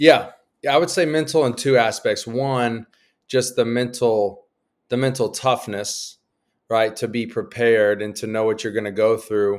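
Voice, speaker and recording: On a very clean recording with a silent background, a man speaks in an unremarkable speaking voice at medium pitch. He has an American accent, a moderate pace and ordinary pitch variation. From Kansas. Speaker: financial advisor. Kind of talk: interview.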